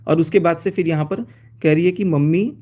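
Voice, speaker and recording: A man's voice: on the high side, steady tone, fairly quick, mellow. A man talking on a phone live stream, laying out his side in an aggrieved, accusing way as he reads out chat messages. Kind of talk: casual live-stream talk, reading out chats.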